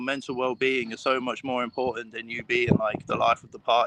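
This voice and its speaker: At a fairly quick pace, a plain, everyday voice comes through with a dry, close sound and no echo. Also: man. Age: 30s. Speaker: guest. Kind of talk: casual chat.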